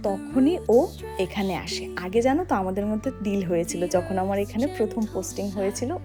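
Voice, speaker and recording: A woman's voice: medium pitch, quick pace, music in the background. A young woman chats casually and expressively for a vlog, mixing in some English words. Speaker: vlogger. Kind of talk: casual vlog chat to camera and companion.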